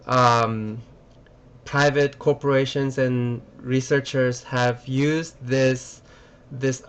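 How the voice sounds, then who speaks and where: Man, lecturer, halting delivery, lots of um and uh, smooth resonant voice. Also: medium pitch. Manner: halting, many fillers and restarts. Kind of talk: recorded lecture.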